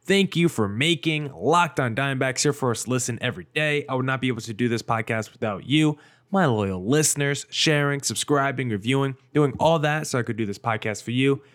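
A young man hosting a solo sports podcast, his voice a little hoarse. He talks with excitement, leaning on "like" and "I mean.". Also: mid-range voice, fairly quick. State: slightly hoarse from screaming. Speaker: podcast host.

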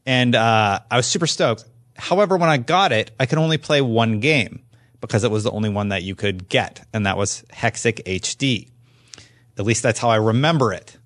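A man's voice: medium pitch, lively intonation, normal speed, fairly bright tone. A man on a podcast panel, talking casually and conversationally. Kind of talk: casual chat.

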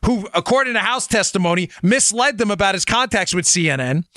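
A man's voice: high voice, expressive, fairly quick, bright, forceful tone, dry recording. A man hosting a political talk show in an emphatic, insistent monologue, firing rhetorical questions at his listeners.

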